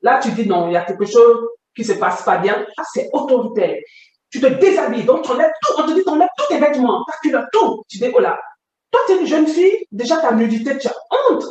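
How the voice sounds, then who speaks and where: A woman's voice: fairly high pitch, sing-song, fairly quick, a little mellow. A woman giving an emotional personal testimony, retelling events vividly and intensely. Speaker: testimony giver. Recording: echoey room, distant mic.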